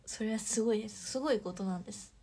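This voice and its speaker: A young woman chatting on a livestream, reading viewer comments and thanking fans, bubbly and chatty with soft whispery asides. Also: mid-range voice, racing, breathy edge. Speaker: idol livestreamer.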